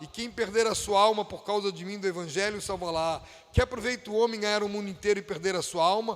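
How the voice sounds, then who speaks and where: Talking at a very fast pace, a man uses a high pitch with big swings in loudness. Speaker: preacher. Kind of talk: sermon.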